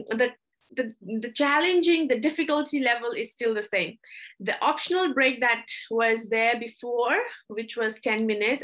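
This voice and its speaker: A young adult woman tutor explaining test changes in a casual, chatty way, often apologizing and filling pauses. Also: a little high, a bit bright. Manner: chatty, apologetic, with frequent fillers.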